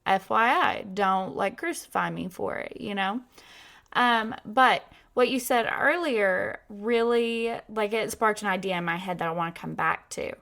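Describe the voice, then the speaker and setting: A woman's voice: medium pitch, measured pace, vocal fry, fairly bright tone. A young woman hosting a podcast, talking casually with many filler words. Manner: chatty, lots of "like" fillers. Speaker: podcast host.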